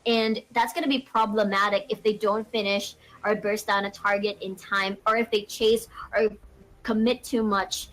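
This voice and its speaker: A woman's voice: mid-range voice, little pitch movement, normal speed, a bit bright, poor audio. A woman giving analytical color commentary on an esports match, explaining the strategy.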